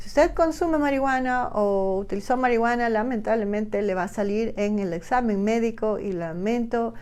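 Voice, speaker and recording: This woman has a plain, everyday voice. It sits fairly high with ordinary pitch variation. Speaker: immigration lawyer. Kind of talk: informational Q&A segment.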